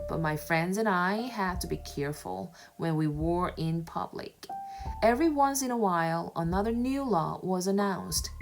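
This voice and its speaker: A woman with a low voice reads a chapter book aloud in a calm, measured way. Clear music plays underneath her narration. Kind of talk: reading a novel aloud. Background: background music.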